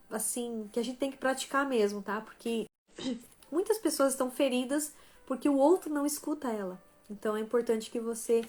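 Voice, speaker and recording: A woman with a somewhat high-pitched voice teaches her viewers on a live stream, with a motivational Christian tone. She moves between gentle and firmer emphasis and keeps checking in with quick "tá?" and "né?" tags. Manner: tags most phrases with "né?" and "tá?"; shifts between softer and stronger emphasis. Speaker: live stream host and author.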